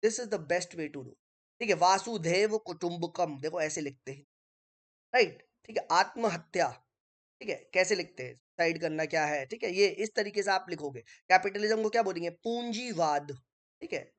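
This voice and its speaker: A man's voice: high voice, expressive, normal speed. A man teaching an informal online exam-prep lesson, explaining step by step while writing on screen and checking in with listeners. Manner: chatty, keeps checking in with listeners.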